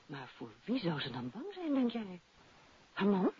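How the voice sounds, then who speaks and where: A woman's voice: mid-range voice, wildly swooping pitch, normal speed. A woman acting as a poised, practical and inquisitive detective's wife in a 1950s Dutch radio drama, conversational and questioning. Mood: curious, practical. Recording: dull vintage 1950s radio recording.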